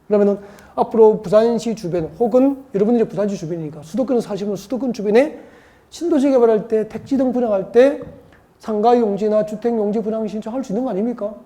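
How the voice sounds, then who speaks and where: A woman's voice: medium pitch, a little fast, mellow. A woman from Seoul giving an exam-prep lecture, firing rhetorical questions and drilling mnemonics by repetition. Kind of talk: classroom lecture.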